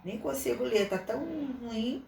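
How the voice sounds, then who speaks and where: A woman's voice: on the high side, normal speed, creaky, dark tone, distant mic. A woman teaching a literacy lesson from a handout, thinking aloud with many fillers and restarts. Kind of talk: online lesson explaining a handout. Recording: echoey room, voice off-mic, faint noise.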